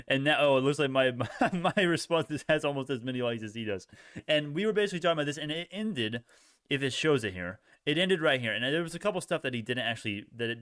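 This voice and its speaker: Fast-talking young man, casual stock streamer. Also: medium pitch, a bit bright, clear, resonant tone, no echo, studio quality. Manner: informal bro slang, thinks aloud, repeats himself. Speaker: livestream host, retail stock trader. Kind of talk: casual live stock-chart commentary, reacting to chat.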